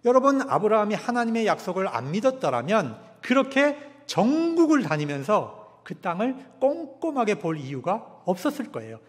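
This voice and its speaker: A male pastor preaching a sermon, emphatic, swinging from loud peaks to hushed drops. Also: sits high. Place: church sanctuary. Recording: long church hall reverb.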